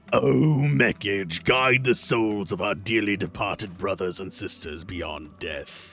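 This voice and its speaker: Over music in the background, a man performs a put-on character voice at a fairly slow pace. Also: fairly low pitch for a man, hardly any pauses. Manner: solemn, ceremonial.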